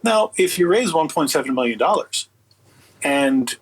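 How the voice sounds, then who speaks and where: A man with a slightly husky voice speaking as an interview guest in casual, emphatic, opinionated, rambling talk. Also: fairly high pitch, lively intonation, moderate pace. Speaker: guest, audio producer and writer.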